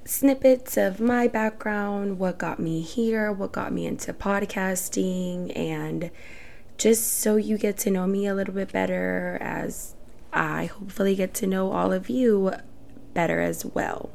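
A woman's voice: mid-range voice, steady tone, a little slow, vocal fry, a little mellow. A woman in her twenties, born in El Salvador and raised in Houston, talks earnestly and reflectively in short phrases as the host of her own solo podcast. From El Salvador, raised in Houston, Texas. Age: 20s.

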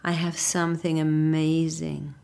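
A woman leading a guided meditation, giving soothing, deliberate instructions and affirmations straight to the listener. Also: low-pitched, flat delivery, creaky, darkish tone.

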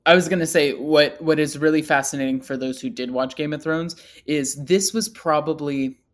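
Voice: medium pitch, fairly even intonation, moderate pace. A podcast co-host chatting casually, rambling through a story and joking at their own expense. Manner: rambling, self-deprecating humor. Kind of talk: casual chat.

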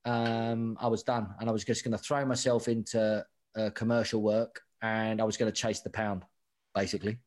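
A man's voice: lowish voice, flat delivery, moderate pace, darkish tone. A middle-aged man, a rugby coach, telling stories candidly and animatedly, often repeating words and saying "mate". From England. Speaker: rugby sevens coach, guest. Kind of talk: candid conversational storytelling.

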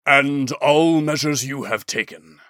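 Man voicing a slow, booming, mighty shaman elder. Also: fairly bright tone, no room sound, studio quality. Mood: solemn kindness. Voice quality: deep, booming. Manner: solemn, slow, commanding. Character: mighty, grave, kindly male elemental shaman elder.

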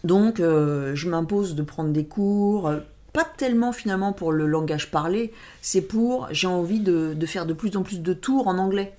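Lively French woman, quick talker. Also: lowish voice. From France. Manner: lively, quick, emphatic, animated storytelling. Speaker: guest, stage performer. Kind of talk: casual interview chat.

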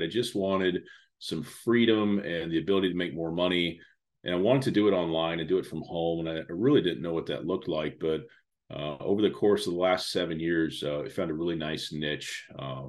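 A man in his forties with a very low, booming voice that he calls a radio voice. He talks easily and at length as an interview guest, stopping often for an "uh" or "um". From United States. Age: 40s. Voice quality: loud, resonant radio-style voice. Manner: relaxed, steady storytelling with frequent "uh" and "um". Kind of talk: casual interview chat.

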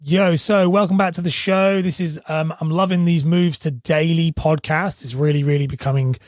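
A man hosting a solo podcast, his voice hoarse and strained, talking in a chatty, rambling way and correcting himself often. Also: on the high side, fairly even intonation, moderate pace, no room sound. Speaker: podcast host. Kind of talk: casual solo podcast talk.

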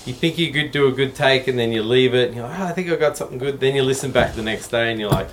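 A man's voice: medium pitch, fast, a little hiss or hum. A man hosting a casual interview, talking with eager enthusiasm and casual swearing. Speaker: podcast host.

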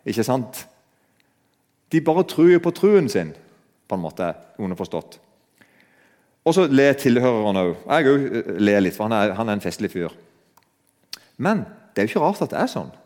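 A man's voice: medium pitch, very animated, pauses often, darkish tone. A man preaching a sermon in a conversational way, talking straight to his listeners. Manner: conversational, addresses listeners directly. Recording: long hall reverb.

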